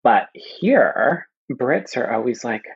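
A young Canadian man, a podcast guest, chatting casually with lots of fillers and lively quoted asides. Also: medium pitch, takes it slowly, gravelly, husky, muffled recording. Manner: chatty, full of fillers, animated quoting. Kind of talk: casual chat.

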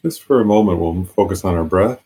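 A man leading a guided meditation as a teacher, giving gentle, halting, unscripted instructions with long pauses. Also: sits low, breathy edge.

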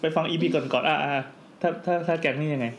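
A man hosting a casual chat podcast, quick and jokey, laughing often as he steers the talk. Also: on the high side, a little hiss or hum. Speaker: podcast host.

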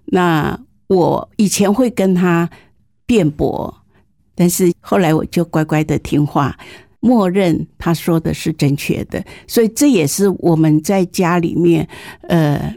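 Mellow woman in her sixties, southern Taiwanese accent. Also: lowish voice, vocal fry, no room sound, clean studio sound. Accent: southern Taiwanese Mandarin. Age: 60s. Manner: candid, self-deprecating, humorous. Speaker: interview guest, teacher. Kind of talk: conversational personal storytelling.

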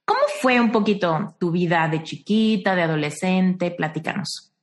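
A woman's voice: on the low side, normal speed. A woman hosting an interview, prompting her guest with short, friendly questions. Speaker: host. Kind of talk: conversational interview.

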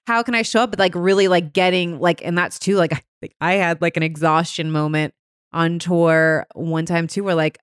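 A woman hosting a podcast interview, talking in a chatty, animated way with many filler words. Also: fairly low pitch, normal speed, clear, resonant tone, no room sound, clean studio sound. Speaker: podcast host. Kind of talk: casual conversational interview.

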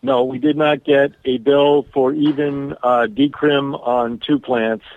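A man calling in to a radio show over a bad phone connection, speaking haltingly with many pauses and restarts. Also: medium pitch, lively intonation, creaky, no echo. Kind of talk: call-in radio interview. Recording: tinny dry phone line.

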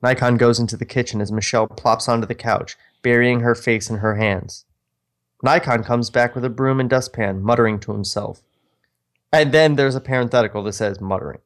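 Man, middle pitch, screenplay narration, casual sardonic asides, self-mocking. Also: a little fast. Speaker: host reading his old screenplay aloud.

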